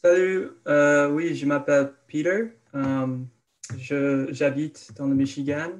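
A man in his twenties with an American accent, introducing himself on a video call in a relaxed, hesitant way. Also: a little high, slow. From Chicago, United States. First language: English. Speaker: guest. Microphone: video call, earphones.

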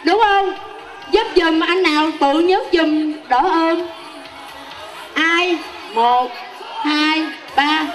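A young woman with a high voice and a southern Vietnamese accent plays game show host. She jokes with contestants over an outdoor event's sound system, with loud music underneath. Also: very slow, long pauses, crowd noise, rough recording. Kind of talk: live game show hosting with playful banter. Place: outdoor evening banquet stage. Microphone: handheld microphone.

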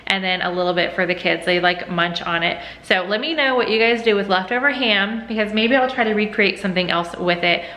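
A young woman talks through easy recipes in a chatty, upbeat way, calling her viewers y'all and guys. Her voice is bright and clear, recorded close to the camera in a home kitchen. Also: mid-range voice, brisk, hardly any pauses. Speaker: cooking vlogger. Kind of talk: casual cooking vlog. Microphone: camera at close range.

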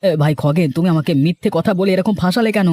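A man's voice: sits high, a little fast, dark tone, soft background music, lightly acted. A man voicing a poor, trusting village farmer in a cartoon, meek and plaintive. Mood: hurt, lamenting. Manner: plaintive, pleading. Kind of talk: dramatic cartoon voice acting.

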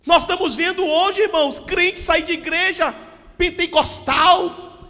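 A pastor in his forties preaching a fervent Pentecostal sermon into a handheld mic, often shouting. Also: very high voice, measured pace. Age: 40s. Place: church hall with a stage backdrop. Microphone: handheld microphone. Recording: long hall reverb.

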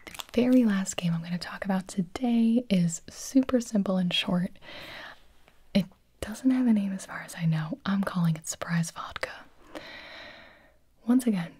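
A young woman in her twenties whispering in a breathy voice, chatting playfully as she explains party games in an ASMR style. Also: medium pitch, mellow. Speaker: ASMR creator.

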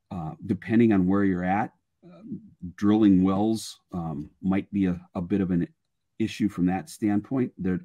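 A man's voice: low-pitched, warm tone. An older man speaking as a guest expert, explaining technical matters informally on a webinar video call. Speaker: guest expert, structural engineer and sales manager.

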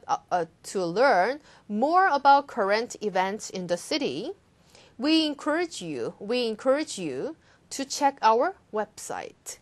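Lively, slow-paced woman teaching English. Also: on the high side. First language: Korean. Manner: coaxing, drills English lines slowly for repetition. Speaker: English speaking test instructor. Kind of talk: lecture-style exam prep lesson.

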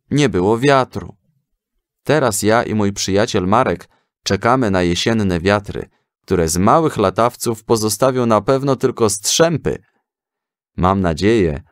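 An eager young schoolboy from a children's audio story, played by a man. He is proud and earnest, speaking with very animated intonation. The recording is close and dry. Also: fairly low pitch, dry recording.

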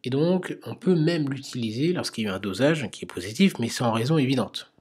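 Male medical teacher, husky, hesitant explainer, quiz lecture. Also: medium pitch, expressive, a little fast, darkish tone.

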